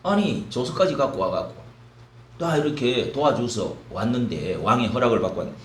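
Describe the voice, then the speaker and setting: Animated male pastor in an echoey room. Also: medium pitch, normal speed. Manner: animated preaching with dramatized quotes. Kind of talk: early-morning sermon. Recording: roomy echo from a distant mic, faint noise.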